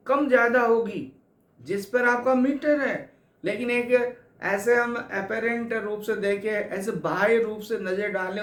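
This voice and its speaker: A man teaching English literature for exams, explaining slowly and repeating key points to his students. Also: sits high. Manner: slow, repetitive explaining, addresses students as kids. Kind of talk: exam coaching lecture. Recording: echoey room.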